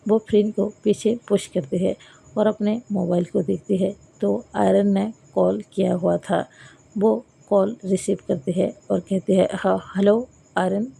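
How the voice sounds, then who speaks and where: A woman tells a romance story in steady narration. Her voice is very gravelly with a husky grain. Its tone sits dark and mellow. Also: mid-range voice, unhurried, poor audio.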